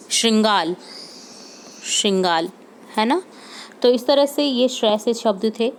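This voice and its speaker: Woman teacher, slightly high-pitched, patient and repetitive, walking young pupils through homework over faint background noise. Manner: patient, repeats words slowly and checks in with "ठीक है".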